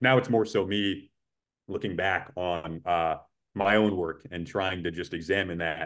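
A man talks in a very deep, low voice with an American accent. His pace is fairly slow. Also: ordinary pitch variation. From Detroit area, US Midwest. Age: young. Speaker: sports play-by-play broadcaster. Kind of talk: casual interview chat.

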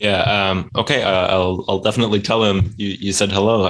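A man's fairly low-pitched voice, an ordinary speaking voice. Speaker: podcast host. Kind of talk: interview.

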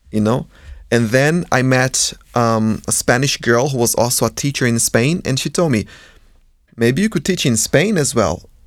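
With a Portuguese accent and lively intonation, a man speaks at a moderate pace and medium pitch on a very clean recording with a silent background. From Brazil, greater São Paulo. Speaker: English teacher and former actor. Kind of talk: interview.

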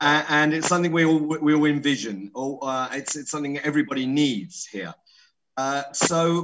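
With a London accent, a man speaks at a moderate pace, his fairly high pitch showing ordinary variation. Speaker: drama therapist and therapeutic clown. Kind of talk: casual chat. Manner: halting.

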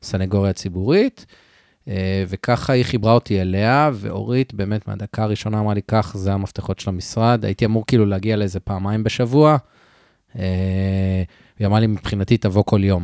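A man talks in a plain, everyday voice, fairly low in pitch, at a fairly quick pace with fairly even intonation, in a dry, close sound with no echo. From Israel, central Tel Aviv. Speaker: criminal defense lawyer. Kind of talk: casual chat.

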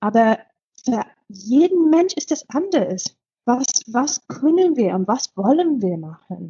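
A woman with an English accent speaks at a very slow pace, her high pitch swinging very widely. Long pauses come often. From England. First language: English (speaking German). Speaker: life coach. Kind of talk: casual interview. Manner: halting.

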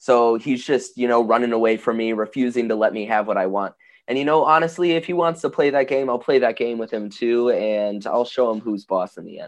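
With a plain, everyday voice, a man talks at a fairly quick pace and medium pitch, with ordinary pitch variation and hardly any pauses. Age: young. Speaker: professional wrestler. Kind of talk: interview.

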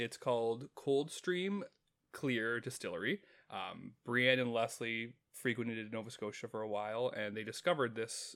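On a very clean recording with a silent background, a man with a Canadian accent uses an ordinary speaking voice at medium pitch, moderate pace and ordinary pitch variation. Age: 30s. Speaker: podcast host. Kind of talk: casual chat.

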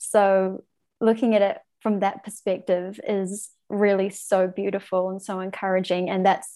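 A woman with a New Zealand accent speaks at a fairly slow pace and medium pitch, recorded very cleanly with a silent background. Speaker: poet and self-published author. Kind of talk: interview conversation.

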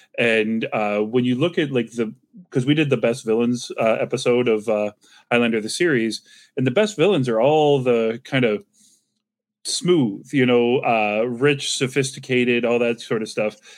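A man's normal speaking voice at medium pitch, moderate pace and ordinary pitch variation. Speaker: podcast co-host. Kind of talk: casual chat. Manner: jokey, relaxed.

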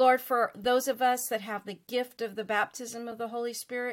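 A woman's plain, everyday voice, fairly high in pitch at a moderate pace, on a very clean recording with a silent background. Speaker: pastor. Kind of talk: devotional teaching followed by fervent prayer. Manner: earnest, warm; fervent, pleading.

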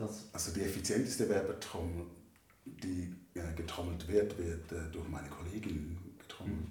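Audible room echo surrounds a man with a very deep, low voice who speaks at a moderate pace with fairly even intonation and long, frequent pauses. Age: 40s. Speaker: parenting counsellor for fathers. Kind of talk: interview. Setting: on location at an association office.

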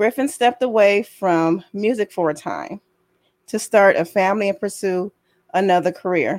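A woman talks at medium pitch with ordinary pitch variation in an unremarkable speaking voice. The recording is very clean with a silent background and a dry, close sound with no echo. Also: moderate pace. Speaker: podcast host. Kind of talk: scripted introduction; casual chat.

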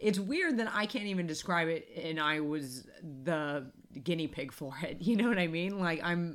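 A woman speaks in a plain, everyday voice, fairly low in pitch, with ordinary pitch variation and a moderate pace. The recording is very clean, with a silent background. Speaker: podcast co-host. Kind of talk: casual chat. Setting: home recording in London apartment. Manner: rambling, talkative.

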